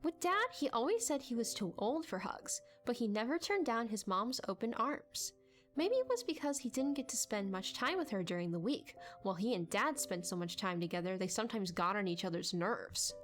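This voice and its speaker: Female narrator for dramatic storytelling: higher register, very animated, expressive. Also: normal speed, soft background music.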